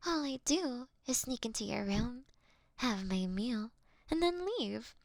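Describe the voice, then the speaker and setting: A woman's voice: on the high side, lively intonation, creaky, no echo, clean studio sound. A woman playing a courteous, doting vampire in a scripted roleplay, speaking intimately and breathily, often slipping into a whisper. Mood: earnest, coaxing. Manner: slow, intimate, gently theatrical. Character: female vampire, courteous, doting, wryly confessing to her sleeping prey. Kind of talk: scripted roleplay audio for one listener.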